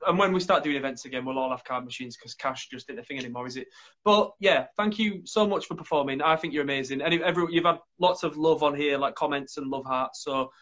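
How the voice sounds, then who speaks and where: A man in his thirties hosts a relaxed video call chat, talking quickly and eagerly. His voice sits a little high for a man, and he piles on praise in a friendly rush. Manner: quick, enthusiastic and chatty. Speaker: host. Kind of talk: casual chat.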